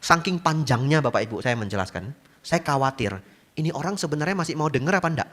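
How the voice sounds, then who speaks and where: Animated storytelling man preaching. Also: fairly high pitch, fast talker. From Medan, Indonesia. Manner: animated storyteller, acts out quoted voices, laughs often. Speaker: Buddhist monk giving a dhamma talk. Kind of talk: sermon with storytelling.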